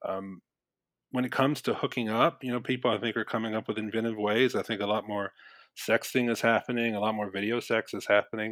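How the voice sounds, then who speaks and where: A man with an American accent rattles along at a very fast pace in a flat monotone at medium pitch, recorded dry and close with no echo against a silent background. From US South, Alabama. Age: 40s. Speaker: psychiatrist. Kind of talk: interview.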